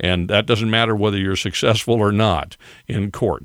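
A normal speaking voice from a man, fairly low in pitch with ordinary pitch variation, at a moderate pace on a very clean recording with a silent background. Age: 60s. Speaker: gun podcast host. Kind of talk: solo podcast commentary.

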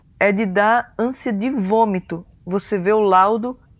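A woman speaks at medium pitch with fairly even intonation, in a plain, everyday voice. The recording is very clean and the background silent. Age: 30s. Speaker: mother of abuse victim. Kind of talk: testimony.

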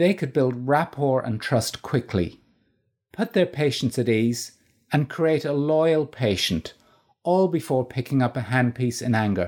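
A man with an Irish accent speaks fairly slowly with lively intonation in a very clean recording with a silent background. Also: medium pitch for a man, very even loudness. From Ireland. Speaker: dentist. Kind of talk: scripted narration.

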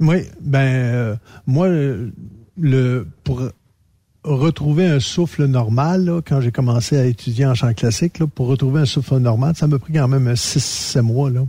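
A man with a medium-pitched, somewhat breathy voice and a dark, mellow tone speaks at a very slow pace, with ordinary pitch variation and very even loudness. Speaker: radio columnist, former trucker. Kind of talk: casual chat.

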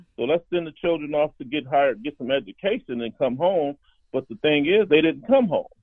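A plain, everyday voice from a man with a fairly high pitch and an American accent, at a fairly quick pace. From US West Coast, Compton, California. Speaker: author and economics consultant. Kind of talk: radio interview.

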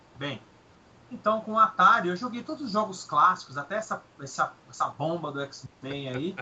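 A man's high-pitched voice at a moderate pace, with very wide pitch swings and noticeable background noise. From São Paulo, Brazil. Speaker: podcast co-host. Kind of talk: casual chat.

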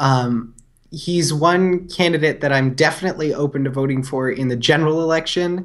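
A man with an American accent speaks at a moderate pace in an ordinary speaking voice, his fairly high pitch carried by fairly even intonation. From Arizona. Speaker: podcaster and political commentator. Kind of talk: casual political chat.

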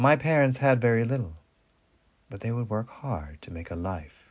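Against a quiet background, a man with a medium pitch and a somewhat breathy voice talks at a moderate pace, with very wide pitch swings and big changes in loudness. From Jamaica (Kingston), left at six. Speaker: podcast host and storyteller. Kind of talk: storytelling.

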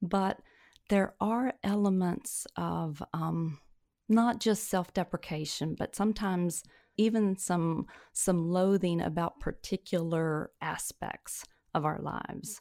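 In a Southern US accent, a woman talks at a very slow pace with a fairly low pitch, ordinary pitch variation and a dark, mellow tone, in a very clean recording with a silent background and a dry, close sound with no echo. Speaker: author. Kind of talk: interview.

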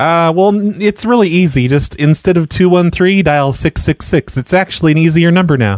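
Ordinary pitch variation on a very clean recording, dry and close with no echo and a silent background. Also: man, high pitch for a man, moderate pace, very even loudness. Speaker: podcast host. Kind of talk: casual chat. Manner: casual.

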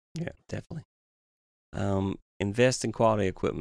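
Dry and close with no echo, a man in a plain, everyday voice speaks at a fairly low pitch and a moderate pace. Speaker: tech show host. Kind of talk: casual chat. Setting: video call.

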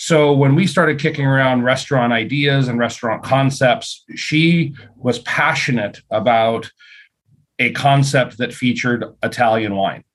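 Speaking at a fairly slow pace, a man has an unremarkable speaking voice at medium pitch with ordinary pitch variation. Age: 50s. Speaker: chef and restaurant owner. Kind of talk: interview.

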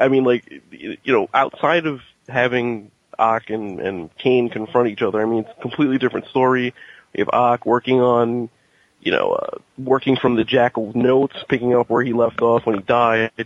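A man has an unremarkable speaking voice at a medium pitch. He keeps a moderate pace and fairly even intonation. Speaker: podcast co-host. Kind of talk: casual chat.

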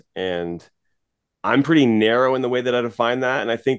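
This man has a plain, everyday voice and a Canadian accent. He speaks at a fairly quick pace with ordinary pitch variation. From Toronto, Canada. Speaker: pastor. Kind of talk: casual chat.

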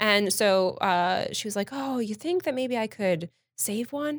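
A woman with an American accent, fairly high pitch and lively intonation, on a very clean recording with a silent background and dry, close sound with no echo. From New York City, Queens. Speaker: small business development director and food tour guide. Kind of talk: interview conversation.

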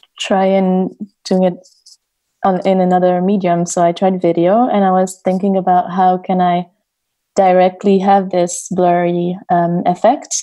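The speaker, with a French accent, has a dark, mellow tone and talks at a fairly slow pace. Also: woman. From Switzerland. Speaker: photography student. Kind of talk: interview. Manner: halting.

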